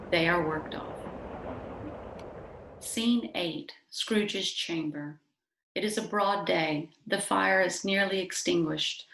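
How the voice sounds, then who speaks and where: A woman's voice: medium pitch, creaky, a bit bright. A woman reading scripted stage directions as the narrator of a play. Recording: very echoey room.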